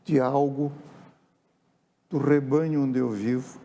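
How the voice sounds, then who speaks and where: A man's voice: mid-range voice, fairly even intonation, slow, vocal fry, warm tone, slight background noise. A man, a writer telling stories reflectively in a casual TV interview. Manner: reflective, with frequent tag questions. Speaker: writer and guest. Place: TV studio.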